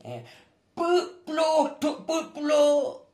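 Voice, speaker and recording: A man's voice: extremely high pitch, big pitch swings, drawn-out words, darkish tone. A man from Aceh with an Acehnese accent, telling his faith story in a casual interview, earnest and emphatic, repeating his points. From Aceh, Indonesia. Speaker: guest testifying about his faith. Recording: echoey room.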